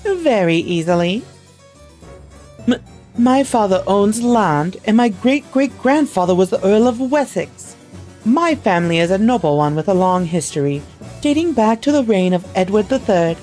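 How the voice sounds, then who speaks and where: A woman's voice: fairly low pitch, big pitch swings, moderate pace, hardly any pauses, a little mellow, faint music behind. A woman voicing a haughty twelve-year-old noble girl who mocks her governess coolly, in a put-on accent. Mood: coolly mocking.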